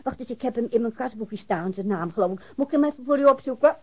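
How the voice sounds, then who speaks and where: A woman's voice: a little high, lively intonation, fast, husky. A woman playing a chatty, vague landlady in a radio drama, hesitantly trying to remember and help. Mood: musing, helpful. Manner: hesitant, musing. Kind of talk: Dutch radio drama acting. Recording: dull, lo-fi radio drama recording.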